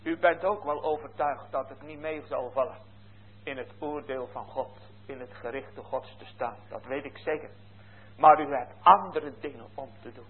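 Husky preacher guy, fervent sermon, hushed then loud, sounds like an old phone tape. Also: mid-range voice, moderate pace. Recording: tinny phone-like lo-fi recording.

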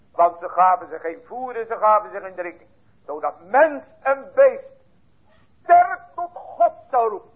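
A man preaches with fervour, his high voice husky and strained. He drops to near-whispers and then lifts into loud pleas. The recording is thin and phone-like. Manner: fervent preaching, swings between hushed and loud. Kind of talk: sermon. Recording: tinny lo-fi sermon recording.

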